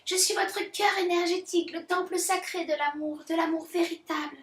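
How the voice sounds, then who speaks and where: A woman voicing a gushing, syrupy female heart chakra spirit who talks in a soft, preachy, loving way. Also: very high voice, steady tone, normal speed, recorded from a distance, pitched above the performer's own voice. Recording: roomy echo.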